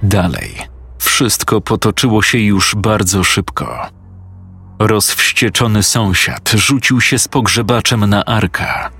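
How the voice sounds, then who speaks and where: A man narrating a scripted horror story in a measured, suspenseful way. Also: on the low side, sharp tone, faint music behind.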